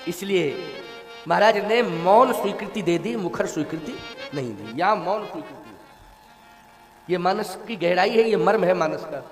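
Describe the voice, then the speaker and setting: A man with a high voice preaches a devotional sermon, putting rhetorical questions to his audience. The sound rings with a long hall reverb. Music with tabla plays clearly behind him. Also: expressive. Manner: rhetorical questions to the audience, breaks into slow song. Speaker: preacher of Ramayana katha. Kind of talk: devotional sermon with sung chaupais.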